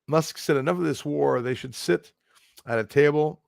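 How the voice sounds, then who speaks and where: A man in his forties with a Canadian accent, hosting a casual livestream in a rambling, halting way as he responds to viewers. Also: fairly high pitch, gravelly, no echo, clean studio sound. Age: 40s. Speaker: livestream host. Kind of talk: casual live chat, reacting to viewer comments.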